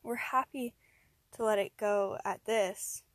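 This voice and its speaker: A woman reading the lines of a sinister woman who speaks in a smug, calm way. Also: mid-range voice, slow, dry recording.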